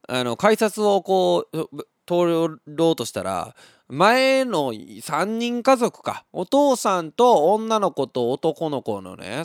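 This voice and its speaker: A man's voice: on the high side, dry recording, studio quality. A young man, hosting a casual podcast, reading listener messages and telling stories with frequent laughs and sound effects. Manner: chatty, laughs often, lively storytelling with sound effects. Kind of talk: casual chat.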